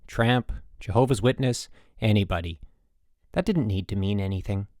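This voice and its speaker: A man's voice: lowish voice, normal speed, a little mellow, dry recording, natural voice. A proud old country woman in a storybook, acted out by a male narrator, chatty and stubborn. She rambles in folksy, emphatic sentences, in a very dry recording. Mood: chatty, reminiscing. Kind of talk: audiobook character dialogue.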